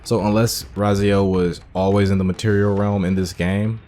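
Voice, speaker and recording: Deep-voiced man musing over gameplay. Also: level tone, moderate pace, dark tone. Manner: musing, thinking aloud while playing. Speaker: gaming channel host. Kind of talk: casual let's-play commentary.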